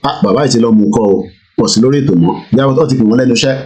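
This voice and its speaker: A man's voice: mid-range voice, racing, darkish tone. A man hosting an online talk show, asking guests pointed questions in a conversational way and mixing Yoruba and English. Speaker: host.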